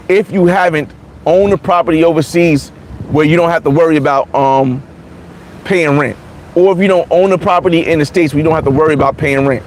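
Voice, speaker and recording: Forty-something man, high-pitched, blunt and repetitive vlogger, faint street noise behind. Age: 40s. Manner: blunt, repetitive, many restarts. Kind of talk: casual livestream chat reading comments.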